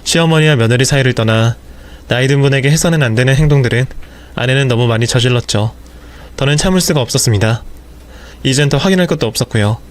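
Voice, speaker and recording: A man narrating a story in the first person with plain, measured retelling. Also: medium pitch.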